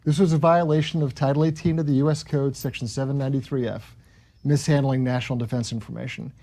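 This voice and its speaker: A man giving a serious, formal statement as a special agent, stern, articulate and deliberate. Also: medium pitch, fairly even intonation, mellow. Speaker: former Army counterintelligence special agent.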